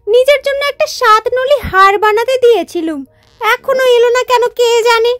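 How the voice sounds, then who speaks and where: Fussy, scornful cartoon wife, played by a woman; high and animated, dry booth. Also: moderate pace, no echo. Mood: grumbling. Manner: complaining, scornful. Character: fussy, grumbling wife of a stingy man. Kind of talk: cartoon voice acting.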